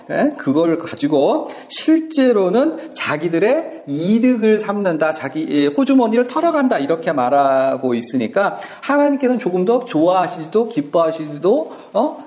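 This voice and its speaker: A middle-aged man preaching a sermon as pastor. He talks in a conversational way, puts questions to the congregation and acts out the voices he quotes. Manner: lively, acts out quoted voices with big pitch jumps; conversational, asks the listeners questions.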